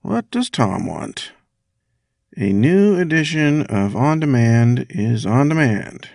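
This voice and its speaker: A man's voice: medium pitch, very animated, takes it slowly, gravelly, darkish tone, no room sound, clean studio sound, full character voice. An actor playing a wry man idly muttering to himself in a comedic audio drama. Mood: wry, musing.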